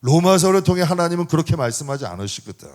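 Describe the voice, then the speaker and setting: A middle-aged man preaching a sermon as pastor, talking to the congregation in a lively, conversational way and asking them frequent rhetorical questions. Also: fairly high pitch, fast talker. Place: church sanctuary.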